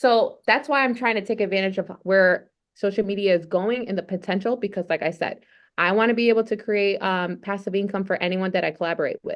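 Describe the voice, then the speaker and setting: Her pitch medium, a woman talks at a fairly quick pace. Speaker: behavior analyst and social media influencer. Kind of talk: casual interview chat. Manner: fast; animated.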